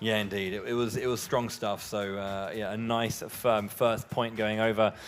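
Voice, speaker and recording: A man's fairly low, monotone voice with flat intonation, moderately paced, over noticeable background noise. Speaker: esports commentator. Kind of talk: live commentary. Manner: halting.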